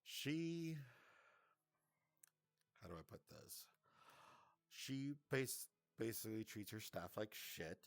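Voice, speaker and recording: Man, low pitch, dry close sound, casual vlog storytelling, hesitant, stammers and restarts. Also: sing-song, slow pace, vocal fry, pauses often, dry recording. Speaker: YouTuber recounting a breakup.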